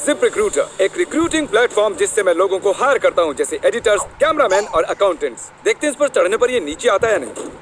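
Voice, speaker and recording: A man dubbing a vlog host, narrating in an excited showman way. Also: high-pitched, quick pace, faint music behind. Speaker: host dubbed into Hindi. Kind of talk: energetic vlog narration dub.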